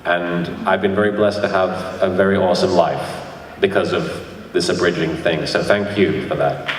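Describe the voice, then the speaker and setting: A man's voice: low voice, fairly even intonation, normal speed. A man speaking casually to a live audience as a convention panelist. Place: large indoor convention panel room. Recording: very echoey noisy hall from far off. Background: loud room noise and ambience.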